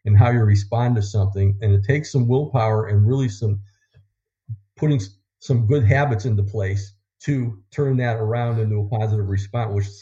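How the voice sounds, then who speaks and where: A man who is a guest author, talking quickly and with enthusiasm about positivity and habits in a casual conversation. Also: on the low side, warm tone, muffled recording. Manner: fast-talking, enthusiastic, motivational.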